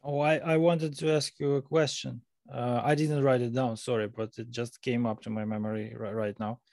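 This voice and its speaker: A man in his thirties with a Russian accent hosting a podcast, halting and searching for words as he asks questions. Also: mid-range voice, level tone, darkish tone, no room sound, clean studio sound. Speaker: podcast host. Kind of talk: casual interview talk. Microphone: large mic on a video call.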